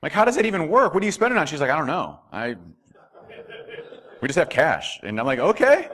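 A man with a slightly high voice gives a conference keynote from a hotel ballroom podium. He speaks with animated speed, stumbling through lots of fillers and restarts.

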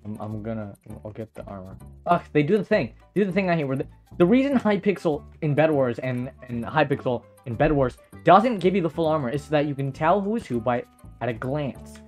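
Excitable gaming YouTuber, swinging pitch. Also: male voice, fairly quick, soft background music. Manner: excitable, swears often, stammers and restarts. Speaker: Minecraft YouTuber. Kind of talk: gaming commentary.

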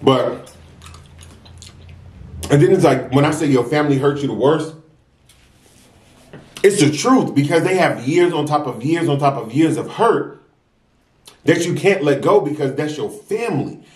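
A young American man chatting casually and earnestly to viewers while eating, unhurried between bites. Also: a little high, lively intonation, darkish tone. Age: young adult. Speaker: mukbang vlogger. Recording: roomy, echoey sound.

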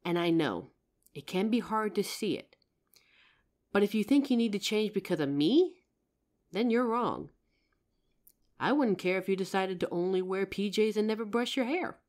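A woman acts out a protective, affectionate girlfriend in an intimate audio roleplay. She takes her time over the words, and her pitch moves in lively swings. The manner is tender, earnest and a little teasing. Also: natural voice. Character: loving, protective girlfriend reassuring her partner. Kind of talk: intimate comfort roleplay, ASMR acting.

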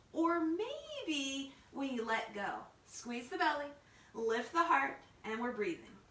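High, bright-voiced woman teaching yoga. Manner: encouraging, informal, playful step-by-step cueing. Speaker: yoga instructor. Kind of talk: guided yoga class instruction. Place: living room at home, indoors. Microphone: far camera across the room. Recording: roomy home sound, distant camera mic.

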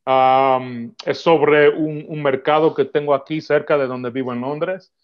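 A man's voice: fairly high pitch, a little slow. Man on a dull call. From Dominican Republic heritage, raised in New York. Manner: relaxed, laughs often, repeats words while thinking. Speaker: podcast guest, film photographer. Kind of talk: casual interview chat. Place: home room, video call. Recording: slightly dull video-call audio.

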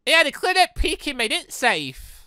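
Gaming YouTuber, man, reads a visual novel; lively pitch, bright, dry close mic. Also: moderate pace, no echo. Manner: chatty, jumps up in pitch when surprised. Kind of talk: reading a visual novel aloud with commentary.

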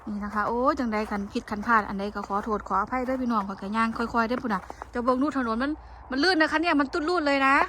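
A woman's voice: fairly high pitch, animated, racing, pushed and bright, a little hiss or hum. A woman with an Isan accent, chatting casually to her viewers and complaining at length, addressing them as siblings. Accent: Isan (Northeastern Thai). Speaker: vlogger. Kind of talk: casual talking vlog to viewers. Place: outdoors walking in the cold.

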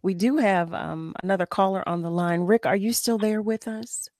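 A woman's voice: mid-range voice, normal speed, darkish tone, no room sound. Radio host lady, chatty, jumps in a lot, dry close mic sound. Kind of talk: talk radio interview. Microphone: headset with studio mic.

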